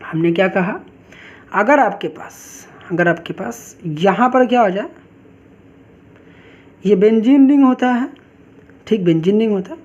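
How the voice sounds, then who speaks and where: A woman's voice: medium pitch, animated, darkish tone. Woman teaching chemistry, self-answering questions. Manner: asks questions and answers them herself, drawls key terms slowly. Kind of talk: online class lecture. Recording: dull lo-fi recording.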